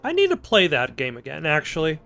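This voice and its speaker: Game music backs a man doing casual let's play commentary, his voice on the high side, creaky and sharp, with huge pitch swings. He talks a little fast and adds dry, joking asides.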